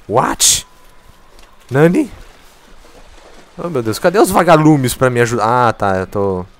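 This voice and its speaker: Excitable man commentating a game. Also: mid-range voice, brisk. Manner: excitable, swears a lot, jokes at the game. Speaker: gameplay commentator. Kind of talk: casual let's play commentary. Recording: faint game music behind.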